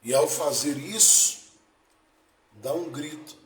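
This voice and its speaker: A man's voice: a little high, takes it slowly. Man preaching with dramatic swells. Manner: dramatic, swings between soft and loud. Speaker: pastor. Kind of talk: sermon. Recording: echoey room with faint ambience.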